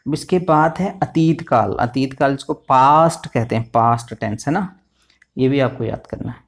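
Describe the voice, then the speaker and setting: A man's voice: mid-range voice, creaky. Patient male Sanskrit teacher. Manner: patient, repeats forms slowly and checks understanding. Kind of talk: online grammar lesson.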